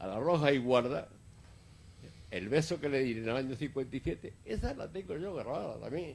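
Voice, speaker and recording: Lively intonation runs through a voice marked by vocal fry. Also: man, fairly high pitch for a man, moderate pace. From Ceuta, Spain. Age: 70s. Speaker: flamenco singer and lyricist. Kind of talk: round-table discussion.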